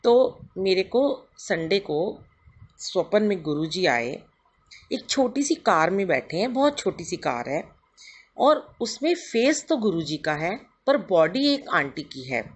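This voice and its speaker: A woman's voice: lowish voice, big pitch swings, measured pace, slightly rough. A middle-aged woman giving a devotional satsang talk, telling her story in an earnest, conversational way and addressing her listeners directly. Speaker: satsang speaker.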